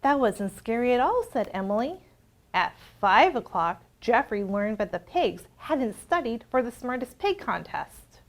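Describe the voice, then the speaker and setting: A woman librarian leading an interactive storytime for young children, expressive and asking simple questions. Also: on the high side, measured pace.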